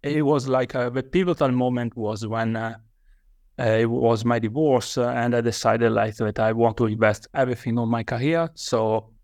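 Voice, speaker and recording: A man's voice: medium pitch, darkish tone, no echo, clean studio sound. A man from Italy with an Italian accent, speaking English as a guest on a podcast interview, hesitant with many fillers and restarts. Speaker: guest author.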